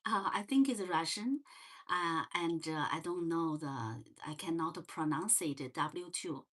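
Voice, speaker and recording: Woman, Chinese accent, unhurried, gentle livestream host, slightly low voice. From China. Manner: slow and gentle, many fillers and restarts. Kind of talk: casual livestream chat. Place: parents' home.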